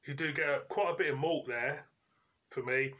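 A man, giving a casual, chatty review in colloquial, halting phrases as host. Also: fairly high pitch, pushed and bright. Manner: informal, colloquial, pauses mid-sentence. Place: indoors, living room at home.

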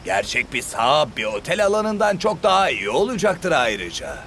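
A man's voice: on the high side, big pitch swings, normal speed, fairly bright tone, slight background noise. A man voicing a reckless, overconfident young footballer in a cartoon dub. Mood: cocky. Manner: breezy, overconfident. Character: reckless, cocky teen footballer. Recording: studio dub with music behind.

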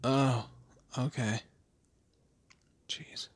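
A man playing a weary, wry kidnapped guy in a roleplay audio drama, speaking haltingly and conversationally. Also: mid-range voice, steady tone, breathy edge, dry recording. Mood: confused, wary. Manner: hesitant, halting, sardonic.

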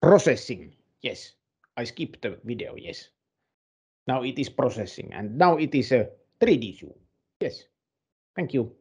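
A man playing an eccentric, simple-minded field reporter in a comic news report, speaking haltingly and repeating himself with odd emphasis. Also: mid-range voice, very animated, a little mellow, slightly rough, full character voice. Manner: halting, repetitive, oddly emphatic.

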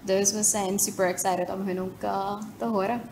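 A woman's voice: mid-range voice, flat delivery, moderate pace. Casting: young woman, Surinamese accent, casual organiser interviewed in a studio, slight background noise. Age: young adult. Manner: informal, mixes English words into speech. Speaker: guest, event organiser. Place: TV studio, seated at desk.

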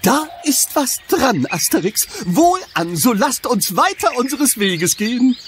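A man's voice: very high voice, very animated, measured pace, slight background noise, full character voice. A man playing a vain, easily affronted Gaulish bard in a comic audio drama, pompous and theatrically declaiming. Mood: haughty.

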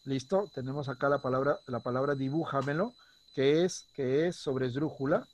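A man teaching a primary school class online. He is patient, checks in constantly with short questions, and slows down to stress words when he explains. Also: mid-range voice. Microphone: computer mic on a video call.

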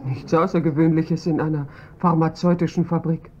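An actress playing a cool, probing chief pharmacist in a radio drama. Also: female voice, low voice, fairly even intonation, moderate pace, darkish tone, natural voice. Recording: dull lo-fi recording, faint hiss.

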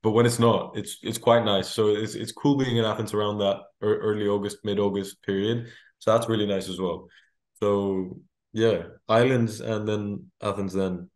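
A teenage man from Greece on a video call from a small room, his somewhat low voice carrying a roomy echo. He talks in lively bursts, restarting phrases and breaking into laughter. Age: teens. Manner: animated, quick, full of restarts and laughter. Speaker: guest singer. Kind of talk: casual video-call interview.

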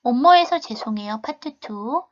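A woman teaching travel English, reading model sentences slowly and carefully, then explaining them in Korean. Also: a little high, expressive, highs cut off. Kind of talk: video lesson on travel English.

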